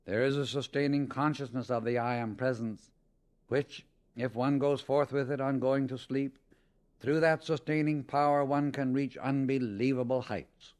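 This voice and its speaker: A man reading a scripted spiritual teaching as an audiobook, in a solemn, deliberate and emphatic manner. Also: mid-range voice, steady tone, a little mellow. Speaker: audiobook reader.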